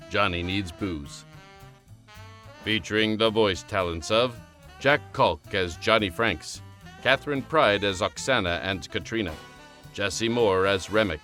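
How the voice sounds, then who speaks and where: A man announces show credits from a script. His voice is low and crisp with a bright, forceful edge, and music plays faintly behind him.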